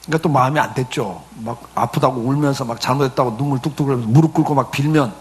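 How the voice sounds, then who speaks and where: A man's voice: medium pitch, racing. A middle-aged male pastor giving a conversational sermon, full of rhetorical questions and acted-out quotes.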